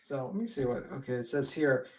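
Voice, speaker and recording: A woman's voice: extremely low pitch, animated, a little fast, darkish tone. Blunt, sarcastic woman co-host. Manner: blunt, sarcastic, swears freely. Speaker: co-host of a reaction stream. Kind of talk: casual chat.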